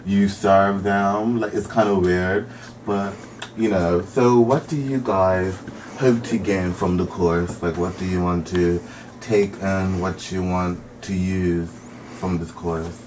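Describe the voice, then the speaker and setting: A man's voice: low voice, steady tone, slow. A young man hosting a casual student radio interview, chatty and upbeat, laughing often. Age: young adult. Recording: distant mic, faint background noise.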